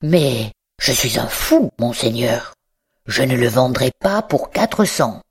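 A reader voicing an old male bookseller, miserly and secretive, who stammers and pleads over his precious books in a slow audiobook reading. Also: mid-range voice, very animated, slightly rough, heavily acted. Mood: guarded.

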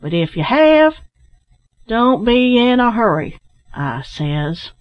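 A woman voicing a stolid, opinionated sailor man with emphatic, drawn-out rustic speech in a storybook. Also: fairly high pitch, sing-song, muffled recording. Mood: sage, stolid. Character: slow, homespun, opinionated sailor man dispensing maxims.

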